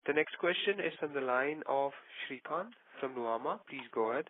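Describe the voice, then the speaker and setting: A man's voice: mid-range voice, lively intonation, a little fast, a crowd in the background. A man working as a conference call operator, making formal, scripted announcements. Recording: narrow telephone line.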